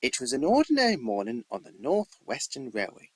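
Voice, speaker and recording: A man's voice: mid-range voice, huge pitch swings, fairly quick, breathy edge, no echo. A man reading scripted storybook narration as an amateur narrator, with theatrical emphasis.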